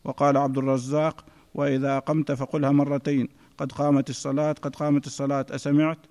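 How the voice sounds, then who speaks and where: A man reading a classical text aloud to a class in a steady recitation, recorded in an echoey hall. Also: mid-range voice, fast talker. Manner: steady recitation in a level chant.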